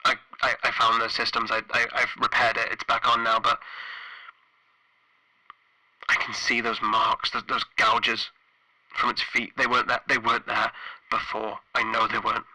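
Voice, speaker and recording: A man playing a frightened, stranded spaceship engineer recording an audio log for a horror roleplay, halting and stammering through a radio filter. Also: mid-range voice, monotone, bright, forceful tone, poor audio. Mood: panicked, dread. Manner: halting, stammering, anxious repetitions. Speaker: solo tabletop roleplayer.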